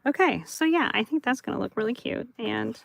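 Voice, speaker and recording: A woman hosting a live craft chat, soft and chatty, who often laughs and talks about her dry mouth. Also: a little high, expressive, brisk, gravelly, a little hiss or hum. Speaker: craft livestream host.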